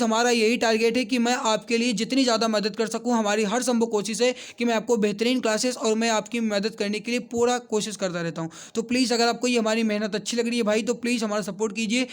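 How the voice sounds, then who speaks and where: Male online teacher, extremely high pitch, exam question walkthrough, repetitive emphatic phrasing, direct address to students. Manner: repeats questions and answers for emphasis; addresses viewers directly as brothers and guys.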